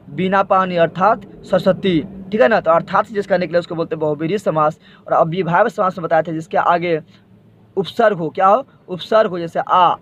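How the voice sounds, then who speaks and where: High-voiced man drilling exam answers. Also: dry recording. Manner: repeats answers as questions to drill students. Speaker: teacher. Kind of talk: exam-solution lesson. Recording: dull, dry lo-fi recording.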